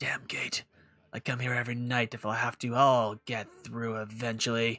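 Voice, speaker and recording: In a put-on character voice, a man speaks with a raspy sound at medium pitch and a moderate pace. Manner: menacing, gruff.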